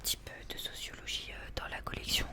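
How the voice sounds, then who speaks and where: A young adult woman chats informally about books in a soft library whisper, ASMR style, rambling with youthful slang. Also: normal speed. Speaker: ASMR book vlogger. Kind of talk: ASMR book haul chat.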